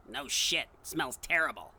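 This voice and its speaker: Very low, sharp-edged sardonic demon woman's voice. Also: lively intonation, slow pace, breathy edge, heavily acted. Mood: curious, blunt. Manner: sarcastic, condescending. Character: sardonic, foul-mouthed flesh-eating demon in hell. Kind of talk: comedic audio drama acting.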